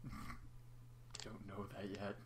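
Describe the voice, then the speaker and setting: A young adult reads a story aloud casually and amateurishly, stumbling now and then and dropping teasing remarks and swear words between passages. The voice is low, completely flat, and extremely slow. There's noticeable background noise.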